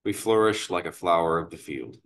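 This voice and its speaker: A man leading morning prayer as a priest, reciting psalms, canticles and the creed in a measured, steady way, recorded from a distance in a large cathedral. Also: low-pitched. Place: large cathedral sanctuary, indoors. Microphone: far camera. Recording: echoey cathedral room sound.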